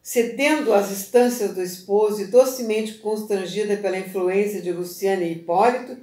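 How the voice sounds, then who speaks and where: Brazilian woman reading slowly on a phone. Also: mid-range voice, mellow. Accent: Brazilian Portuguese. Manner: slow, careful reading with slips, restarts and brief asides. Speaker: reader for a spiritist study group. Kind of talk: reading a book aloud. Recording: echoey room on a phone.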